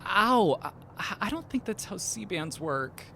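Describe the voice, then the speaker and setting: A woman's voice: medium pitch, very animated, unhurried, creaky, bright, forceful tone, slight background noise, exaggerated voice. A woman playing a dry, skeptical young traveler in an audio drama, with natural delivery. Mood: queasy. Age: young adult.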